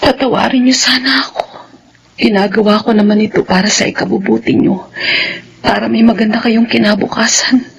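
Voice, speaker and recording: An actress playing a humble housemaid and mother who gives up time with her own children, speaking softly and deferentially. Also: on the high side, fairly even intonation, fairly quick, vocal fry, husky, heavily acted. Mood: apologetic. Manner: soft, deferential, pleading.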